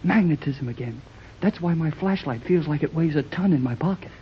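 A man's voice: fairly high pitch, lively intonation, a little fast, a little hiss or hum, natural voice. A man playing a wide-eyed, folksy young sidekick. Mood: eager. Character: eager young American man, naive and excitable. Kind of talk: 1930s radio drama acting. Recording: dull old 1930s radio recording.

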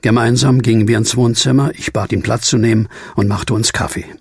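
A man's voice: medium pitch, fairly even intonation, fairly quick, creaky, darkish tone, husky. An actor playing an anxious, troubled man who fears he is a werewolf, brooding and hesitant, in a horror audio drama. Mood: narrating.

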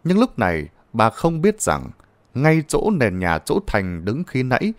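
A man's voice: medium pitch, huge pitch swings, measured pace, no echo. A man narrating a ghost story in a dramatic, suspenseful manner.

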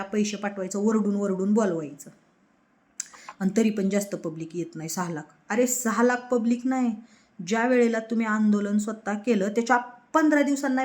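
Fired-up woman, slightly high voice, ranting and asking question after question. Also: a little mellow. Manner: combative, rhetorical questions, repeats phrases. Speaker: political commentator. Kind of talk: heated political rant to camera.

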